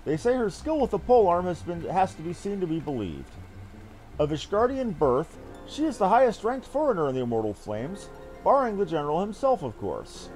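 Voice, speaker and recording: A stern fantasy video game captain, voiced by a man reading aloud, speaking in a grave, formal manner with archaic turns of phrase. The delivery swings widely in pitch, over background music. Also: very animated, a little fast, darkish tone, low-quality recording. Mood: stern, intent. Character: earnest military captain briefing an ally on a spy hunt.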